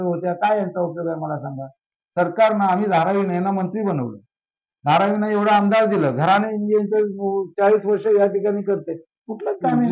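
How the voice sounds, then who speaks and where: A man, a social worker, speaking in an impassioned interview, asking rhetorical questions and piling up long lists. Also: high voice. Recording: dull lo-fi sound.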